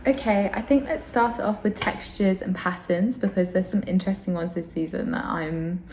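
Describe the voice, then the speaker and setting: A woman's voice: mid-range voice, fairly even intonation, normal speed, a little mellow. A woman vlogger with a slight sore throat chats casually to camera about her opinions, informal and self-deprecating. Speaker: vlogger and host. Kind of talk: casual fashion chat to camera. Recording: roomy echo, clear background noise.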